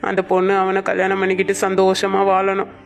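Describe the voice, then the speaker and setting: A woman voicing an outspoken but respectful young woman who talks in a rapid, insistent way. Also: mid-range voice, completely flat delivery, gravelly, natural voice. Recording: soft music underneath.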